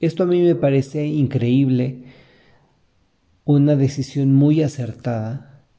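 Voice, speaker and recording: A podcast host with a Mexican accent delivers a reflective monologue, speaking earnestly and motivationally straight to the listener. His mid-range voice is dark in tone and he takes it slowly.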